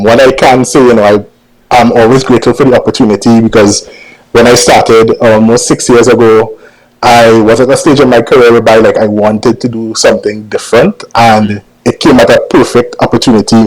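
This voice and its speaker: A man's voice: medium pitch, low-quality recording. A man with a Trinidadian accent answering interview questions casually, choosing his words with some hesitation. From Trinidad and Tobago. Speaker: interview guest, journalist.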